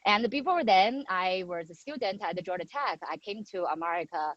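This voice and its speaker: A woman from China in her thirties, introducing herself on a video call with a halting manner full of fillers. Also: mid-range voice, expressive, fairly bright tone, no room sound. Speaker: venture investor. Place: outdoors on a patio. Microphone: laptop mic on video call. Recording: muffled video call audio.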